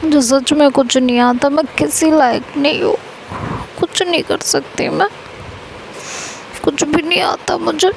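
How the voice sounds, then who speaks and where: A woman's voice: a little high, steady tone, moderate pace, a little mellow, a little hiss or hum, close to an everyday voice, low-quality recording. Insecure young wife, put on by a female narrator, pleading and stubborn, amateur audio story. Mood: upset. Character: tearful insecure young wife, self-doubting.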